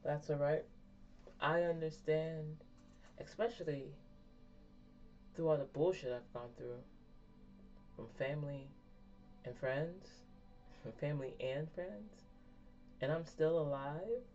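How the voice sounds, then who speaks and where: A woman's voice: sits low, takes it slowly, pauses often, warm tone. A woman in her thirties chatting candidly to her viewers in a rambling way, often laughing at herself. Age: 30s. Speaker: vlogger. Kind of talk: candid personal chat to viewers. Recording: dull lo-fi sound, faint music behind.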